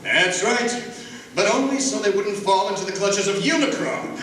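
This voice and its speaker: A man's voice: sits high, expressive, a bit bright. A man voicing a noble, earnest robot warrior with a pompous, formal, grandiose manner in a cartoon style. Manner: grandiose, formal, halting deliberation. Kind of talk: live dramatic script reading, cartoon character acting. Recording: very echoey hall, distant mic, background noise.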